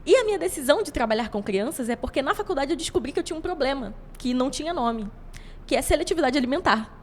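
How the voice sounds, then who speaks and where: A woman in her twenties from Rio de Janeiro with a Rio accent, a guest telling her story in an animated way. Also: sits high, fast, in a large hall, slight background noise. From Rio de Janeiro, Brazil. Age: 20s. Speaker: guest, child nutritionist. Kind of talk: conversational interview answers.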